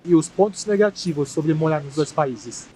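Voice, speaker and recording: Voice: mid-range voice, expressive, moderate pace, dark tone, a little hiss or hum. An interviewer putting short, direct questions to a guest.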